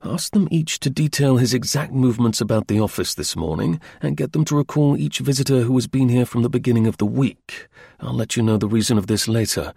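A calm, businesslike investigator in a storybook, read by a man. He questions in a measured, inquisitive way, with a gravelly, husky voice recorded dry. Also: medium pitch, dry recording. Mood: brisk. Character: calm, probing male investigator.

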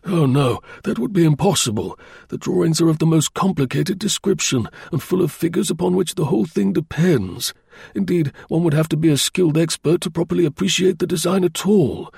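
An earnest, fretful engineer from a storybook, played by a male narrator. His voice sits raised and strained above ordinary talk, formal and emphatic, with a husky, gravelly edge. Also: high voice, darkish tone, no echo, studio quality, pitched above the performer's own voice, full character voice. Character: anxious male engineer-inventor, proud and earnest.

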